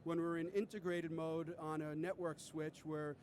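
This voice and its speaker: A man with a slightly high voice presents a product in a live demo. He explains it methodically, one step after another. There is some noise and low rumble behind him. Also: level tone, normal speed, darkish tone.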